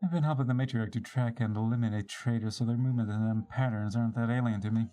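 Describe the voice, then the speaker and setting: A man's voice: medium pitch, steady tone, quick pace, dark tone. Man reading game dialogue theatrically over music. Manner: theatrical, switches between character voices, stumbles and rereads lines. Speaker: live streamer. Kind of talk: dramatic read-aloud of video game dialogue. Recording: music behind the voice.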